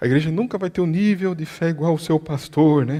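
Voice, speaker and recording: Over a quiet background, a man talks at a moderate pace with a dark, mellow tone. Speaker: preacher. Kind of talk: sermon. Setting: church service.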